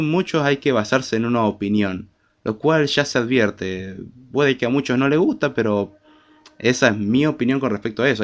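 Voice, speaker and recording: Congested man with a low voice, Rioplatense accent. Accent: Rioplatense Spanish. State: congested with a cold. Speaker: podcast host. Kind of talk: casual live-stream podcast chat.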